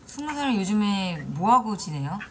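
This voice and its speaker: A woman in her twenties, a guest on a home stream wearing a headset, asking questions in a soft, low-key way during casual voice chat. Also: very animated, normal speed, a little hiss or hum. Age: 20s. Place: home room indoors.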